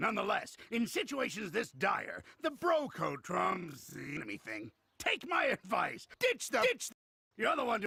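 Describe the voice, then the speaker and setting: Here a man performs a cartoonish character voice at a high pitch. The pace is moderate. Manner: blustering.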